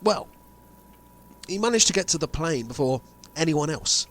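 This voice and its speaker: A man playing a grave insider revealing a sinister conspiracy in an amateur audio drama, speaking deliberately with dramatic pauses. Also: fairly high pitch, expressive. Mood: explanatory, intent.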